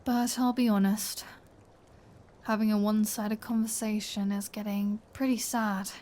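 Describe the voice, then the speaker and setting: Woman acting as a female vampire, flirty, menacing, sardonic, unhurried, soft dark tone, whispery asides, intimate ASMR roleplay. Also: mid-range voice, close to an everyday voice. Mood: teasing menace. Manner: teasing, sardonic, often dropping to a whisper. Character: flirty, menacing female vampire taunting her captive hunter.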